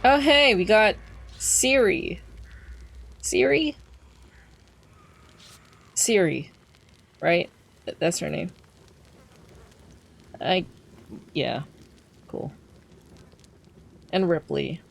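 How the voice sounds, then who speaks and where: A man's voice: high-pitched, very slow, vocal fry, pauses often, fairly bright tone, a little hiss or hum. A young trans man streaming a game from home, chatting casually with lots of fillers and wry asides. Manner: rambling, many fillers, wry. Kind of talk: casual gameplay chat.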